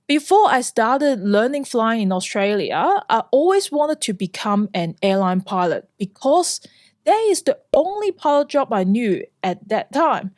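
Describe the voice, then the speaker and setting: A woman's voice: fairly high pitch, very animated, a little slow, a little mellow, no echo, studio quality. A woman from Hong Kong, a flight instructor, narrating a scripted vlog in an earnest, enthusiastic way.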